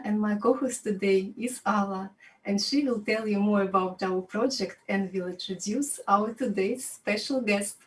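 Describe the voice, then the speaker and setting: A woman host opening a channel's interview series with a formal, scripted welcome. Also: medium pitch. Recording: distant mic with faint noise.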